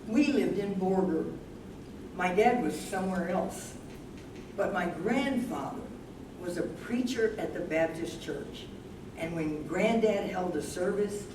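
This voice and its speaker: An older woman playing a candid, reflective wife living with Alzheimer's in a staged reading, speaking deliberately. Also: fairly low pitch, close to an everyday voice. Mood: reminiscing. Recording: roomy, distant, noisy live stage recording.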